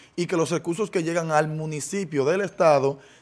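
This man's pitch varies in an ordinary way as he talks fairly quickly. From Dominican Republic, San Francisco de Macorís area. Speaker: youth protest activist. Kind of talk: interview. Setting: studio. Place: studio. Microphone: studio mic.

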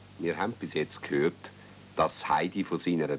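A man's very deep, low voice with a Swiss German accent, fairly slow, with ordinary pitch variation. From Switzerland. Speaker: narrator. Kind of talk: children's radio play narration. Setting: old radio broadcast taped on cassette. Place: studio. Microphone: old recording.

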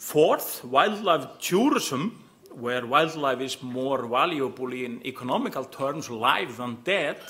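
A man with lively intonation at a fairly slow pace. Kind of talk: formal opening speech. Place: hall. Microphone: podium.

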